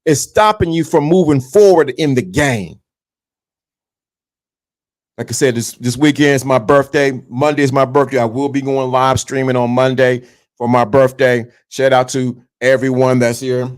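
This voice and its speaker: In a steady tone at normal speed, a mid-range male voice belongs to a livestream host in his fifties. Addressing viewers directly, he gives a repetitive, preachy motivational talk.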